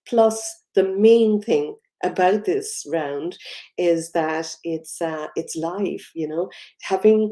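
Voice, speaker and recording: With an Irish accent, a woman speaks in a dark, mellow tone with ordinary pitch variation. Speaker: hypnotherapist and mindset coach. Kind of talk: live stream Q&A. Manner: casual, hesitant with fillers.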